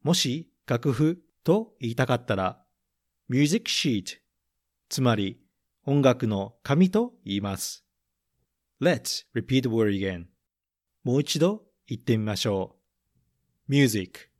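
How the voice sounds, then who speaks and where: A man reads a children's picture book and then quizzes listeners on English words, pausing after each question. He speaks very slowly and clearly at a middle pitch, repeating every point first in English and then in Japanese, like a patient teacher. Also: sing-song, a little mellow. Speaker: storybook reader and English teacher. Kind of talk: bilingual picture-book reading and vocabulary quiz.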